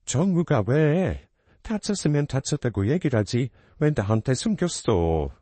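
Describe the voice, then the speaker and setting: A man's voice: medium pitch, big pitch swings, unhurried, dark tone, dry recording. A man voicing a middle-aged mother in shock, pleading in disbelief. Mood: bewildered.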